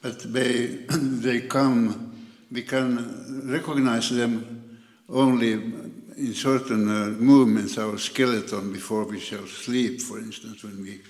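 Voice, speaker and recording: A man speaking on a panel discussion, musing and trailing off quietly as he searches for words. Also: mid-range voice, steady tone, takes it slowly. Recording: echoey hall.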